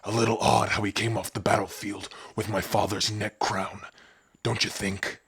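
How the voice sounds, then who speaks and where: A man voicing a gruff, protective orc warrior with a raspy voice in an ASMR roleplay. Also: on the low side, flat delivery, normal speed, fairly bright tone, no room sound, studio quality, exaggerated voice. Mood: menacing, defiant. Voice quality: raspy, husky. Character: gruff, protective young male orc warrior, devoted to spouse.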